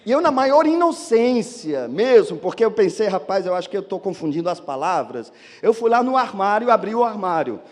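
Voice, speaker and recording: A man with another first language preaching a lively sermon as a pastor, acting out the excuses people give. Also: high-pitched, moderate pace, hardly any pauses, long reverb tail. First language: not Portuguese. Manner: animated, acts out excuses of churchgoers.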